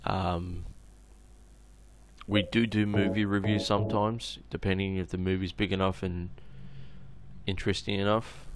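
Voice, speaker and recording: A man with an Australian accent giving casual, halting gameplay commentary that trails off into asides, on a noisy home recording. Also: low voice, flat delivery. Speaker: gamer recording a let's play.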